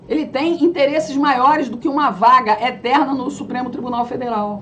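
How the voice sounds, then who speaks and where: A woman's high, animated voice over noticeable background noise. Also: ordinary pitch variation, moderate pace. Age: 60s. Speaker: political commentator. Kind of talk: opinion monologue.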